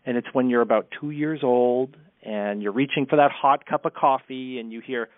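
Male speech coach, candid and brisk, mid-pitched, over a tinny phone-quality line. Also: no room sound. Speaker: communication coach. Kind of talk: podcast interview.

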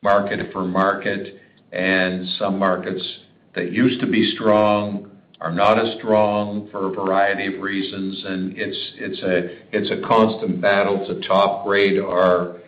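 A man speaking as a senior company executive, answering analyst questions on a conference call in a measured, deliberate way. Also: low voice, flat delivery, roomy sound, highs cut off.

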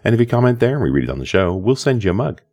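Deep-voiced, animated podcast co-host. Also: male voice. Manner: thoughtful, measured, reads listener comments. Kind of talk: casual podcast chat.

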